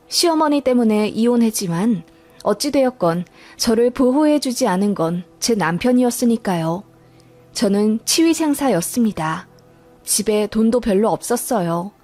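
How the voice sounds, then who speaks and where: A woman reads a scripted life story in the first person. Her voice sits somewhat higher than usual for a female narrator. Soft music plays faintly behind her. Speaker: narrator of listener life stories.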